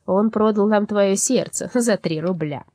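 A scheming black soul with a sugary, sly tongue, as a woman reading a storybook puts her on. Her voice rises high and swings about in a close, dry recording with a husky edge. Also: sing-song, a little fast, warm tone, no echo. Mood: falsely sweet. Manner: falsely sweet, slanderous, sly. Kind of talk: storybook character voice.

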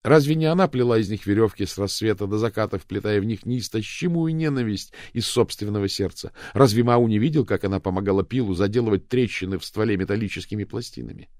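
Man reading an audiobook in a lowish voice. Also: no echo, clean studio sound. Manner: expressive, raises voice for shouted lines. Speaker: audiobook narrator. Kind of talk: scripted narration with character voices.

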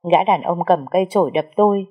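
A woman's voice: on the low side, fast, dull audio. A woman narrating a sad first-person story in an emotional, lyrical way.

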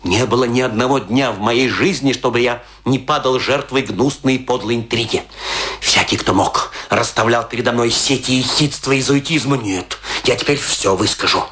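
Playing a tipsy, self-pitying provincial actor in a radio drama, a male performer declaims a theatrical monologue with grand boasts, grievances and dramatic pauses. His voice sounds natural, medium in pitch and a bit bright.

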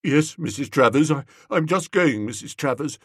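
A man's voice: on the high side, lively intonation, moderate pace, slightly rough, no echo, clean studio sound. A man voicing a timid young man who stammers and apologizes nervously. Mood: apologetic.

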